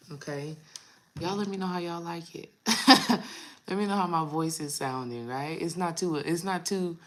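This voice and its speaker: A woman in her thirties with a raspy, low morning voice, talking casually to her viewers as a spiritual coach. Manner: chatty, addresses viewers as y'all, drawn-out pauses. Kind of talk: casual vlog talk to viewers.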